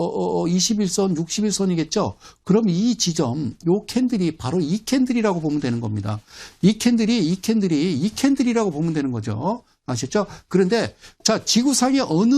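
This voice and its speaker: A man giving a broadcast stock market lecture, animated, repeating phrases and quizzing his viewers. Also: sits high. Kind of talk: broadcast lecture with audience questions.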